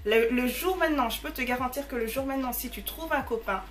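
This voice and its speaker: A woman's voice: high-pitched, fast talker. A woman in her early twenties chatting casually to camera as she answers viewer messages, bubbly and full of slangy fillers.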